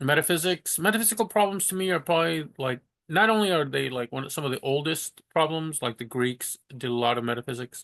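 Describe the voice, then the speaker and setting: A man mumbles at a very fast pace with hardly any pauses, using a fairly high pitch and lively intonation. The sound is dry and close with no echo, over a quiet background. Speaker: amateur philosophy video maker. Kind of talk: casual talk to camera about philosophy. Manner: unedited, with hesitations and mumbling.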